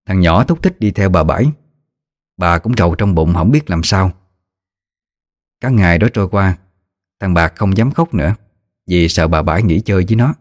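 A man narrating a ghost story in a steady, somber storytelling manner. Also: low-pitched, normal speed, pauses often.

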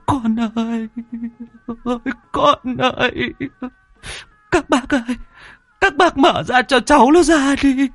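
A man's voice: slow, fairly bright tone, no echo, faint music behind, exaggerated voice. A man voicing a grief-stricken middle-aged mother who wails through her crying. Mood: anguished. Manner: shrill frantic wailing.

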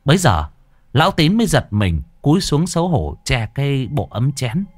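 A man telling a folk story with a lively, swinging pitch and an earthy, colourful delivery. The voice sits right by the mic in a dry space with no room sound. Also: moderate pace, no echo. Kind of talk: spoken folk story narration.

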